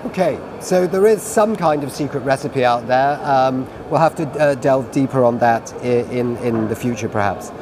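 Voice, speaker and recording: Middle-aged British moderator, chatty, self-mocking, on a noisy live stage. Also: male voice, medium pitch, moderate pace, hardly any pauses. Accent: British English. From Britain. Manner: chatty, self-deprecating, animated questions. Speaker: panel moderator. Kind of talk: live panel discussion. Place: conference pavilion stage. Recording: noisy live event feed.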